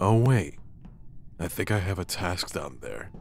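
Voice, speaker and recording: Using a put-on character voice, a man speaks at a very deep, low pitch and a moderate pace. Clear background noise is present. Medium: audio drama. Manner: hesitant, uncertain.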